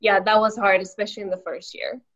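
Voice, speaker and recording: Young adult woman from Lithuania, native Lithuanian speaker, interview guest, mid-pitched, soft-spoken, slightly dull recording. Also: level tone, fast. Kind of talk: casual interview answers.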